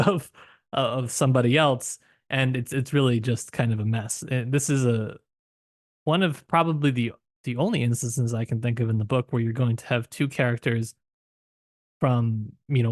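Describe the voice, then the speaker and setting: A male podcast host with a mid-range voice, recorded dry and close. He talks casually about literature, working through his thoughts haltingly and qualifying them as he goes. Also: mid-range voice, no room sound. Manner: halting, thinking aloud, trailing qualifications.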